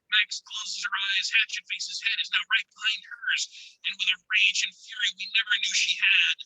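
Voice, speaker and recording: A man with a breathy voice reading screenplay stage directions as an intense, suspenseful narrator. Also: sits high, flat delivery, normal speed, pushed and bright, no echo, poor audio. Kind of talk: dramatic scripted narration of screenplay action.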